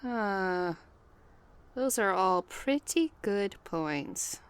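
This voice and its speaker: A woman's voice: mid-range voice, lively intonation, extremely slow, clean tone. A woman playing a frantic, brash, rambling newcomer stranded in hell in a comedic audio drama. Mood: wary.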